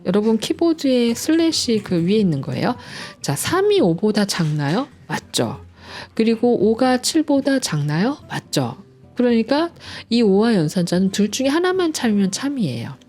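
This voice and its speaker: A woman's voice: on the high side, sing-song, normal speed, a little mellow. A woman teaching a programming lesson at home, playful and cheerful, patiently walking through each step. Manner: playful, cheerful, sound effects like "짠짠짠"; chatty and patient explaining. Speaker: coding instructor. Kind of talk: screen-recorded programming lesson.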